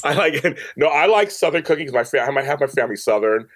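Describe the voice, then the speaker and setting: Animated American man in his fifties. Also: a little high, quick pace, dry recording, studio quality. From Los Angeles, United States. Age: 50s. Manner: animated, joking, conversational. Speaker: podcast guest. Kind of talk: casual interview chat.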